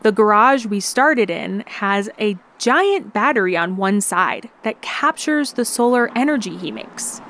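A woman reporter narrating a radio news feature in a clear, steady way. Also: mid-range voice, unhurried, hardly any pauses.

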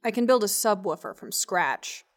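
A woman's voice: mid-range voice, expressive, moderate pace. An actress playing a brash, sarcastic young woman scientist in an audio drama, slangy, sweary and defensive. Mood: breezy, defensive. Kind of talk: audio drama acting, naturalistic banter.

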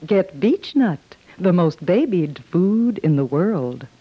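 A woman's voice: fairly low pitch, big pitch swings, slow pace. A woman announcing a rhymed 1950s radio commercial. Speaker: advertising announcer. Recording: dull 1950s radio recording. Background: jingle music with chimes.

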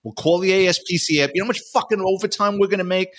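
A man, a former police detective, telling war stories in a casual, profane, animated way. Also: sits high, very fast. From New York. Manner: profane, animated, acts out quotes. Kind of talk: casual storytelling.

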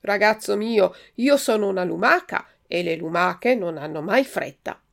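A woman voicing a slow, calm female snail in a storybook reading, with a gravelly edge. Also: medium pitch. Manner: unhurried, calm.

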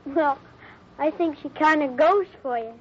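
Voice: sits high, a little slow. A performer playing an eager, mischievous young boy cowboy in a 1950s radio serial, earnest and teasing. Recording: muffled, noisy old radio recording.

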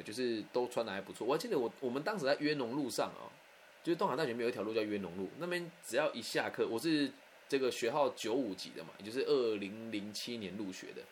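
A man telling a personal anecdote in a candid, animated, conversational way. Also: mid-range voice, slight background noise. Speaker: storyteller.

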